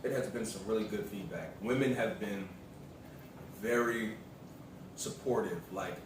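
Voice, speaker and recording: A man's voice: lowish voice, unhurried. An American man chatting casually as a co-speaker on a vlog, informal and emphatic in how he makes his points. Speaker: partner of the vlogger, co-speaker. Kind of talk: casual chat. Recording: very echoey room, distant mic, faint noise.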